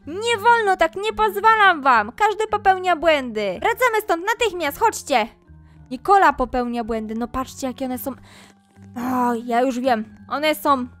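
Soft music sits under a woman's high, expressive, slightly bright voice as she talks at a measured pace. She's a Roblox gaming YouTuber playing a mom who scolds her kids, and she speaks to her viewers directly between bits of commentary.

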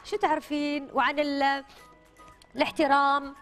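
A woman's voice: high voice, level tone, moderate pace, fairly bright tone, faint music behind. A woman in her thirties with a Gulf Arabic accent, presenting a children's quiz show and prompting with short repeated questions and phrases. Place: colourful indoor TV studio children's set.

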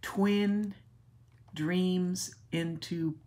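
A woman hosting a craft channel, gushing warmly over gifts as she unboxes them, emotional and sometimes dropping to a whisper. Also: on the low side, steady tone, very slow. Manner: gushing and tender, often drops to a whisper. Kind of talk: casual gift unboxing chat.

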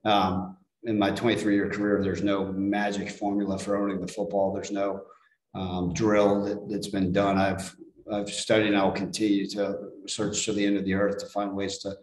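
Brief: middle-aged male coach, low steady voice, flat delivery, roomy press-room sound. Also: moderate pace. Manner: plain-spoken, repeats words when restarting. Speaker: head football coach. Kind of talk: post-game press conference.

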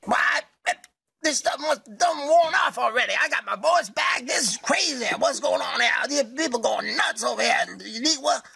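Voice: high voice, expressive, normal speed, vocal fry, bright, forceful tone, husky, exaggerated voice. Someone doing a drawling, baffled cartoon hound. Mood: exasperated. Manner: drawling, folksy grammar.

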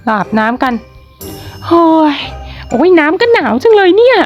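A woman's voice: very high-pitched, big pitch swings, moderate pace. A woman voicing a lazy, sassy schoolgirl who whines and talks back, in a game role-play story with background music. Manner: whiny and talking back. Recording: slightly dull with background music.

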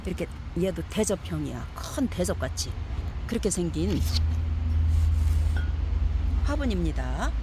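A woman's voice: on the low side, noisy background. A woman selling succulent pots, chatting casually as she shows and measures them for viewers with a coaxing, repetitive manner. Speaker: succulent pot seller. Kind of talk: casual product showcase.

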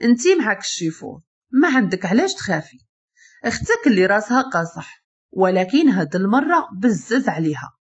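A woman's voice: mid-range voice, very animated, brisk, highs cut off, lightly acted. A woman voicing a stern worried Moroccan father. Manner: commanding, worried. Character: stern protective wealthy father.

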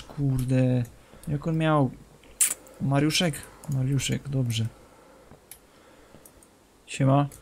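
This streamer is a young man with a medium pitch and some vocal fry, joking his way through a horror game. He chats with the characters on screen and drops English phrases now and then, over faint background noise.

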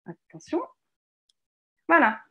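A woman from Ukraine leading an online teacher workshop in French on a video call, lively and encouraging, with many hesitations and fillers. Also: slow pace, muffled recording. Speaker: teacher trainer giving a webinar talk. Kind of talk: live online workshop presentation. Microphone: computer mic on a video call.

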